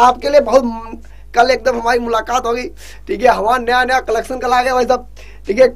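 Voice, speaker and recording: A young man teaching a live online exam-prep class, pushing students to answer quickly, joking and scolding them as he goes. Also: very high voice.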